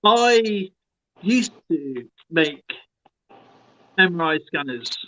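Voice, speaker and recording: A man's voice: fairly high pitch, sing-song, very slow, fairly bright tone. An English man co-hosting a live stream in casual chat, joking and laughing often as he tells stories. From England. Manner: laughs a lot, jokey storytelling. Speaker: stream co-host. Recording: dull lo-fi stream audio.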